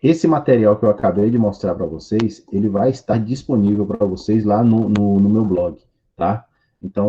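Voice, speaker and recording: A man's voice: fairly low pitch, warm tone, slightly rough, dull audio. A Brazilian man with a Brazilian Portuguese accent teaching an English grammar class online, explaining step by step and repeating key points. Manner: patient, explains step by step with repetition.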